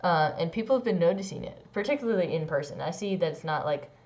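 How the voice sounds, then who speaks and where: Chatty young trans man, lively swooping voice. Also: fast. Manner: rambling, many likes and ums; swoops up into high squeaky bits. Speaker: vlogger. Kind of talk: casual personal update. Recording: dull lo-fi sound.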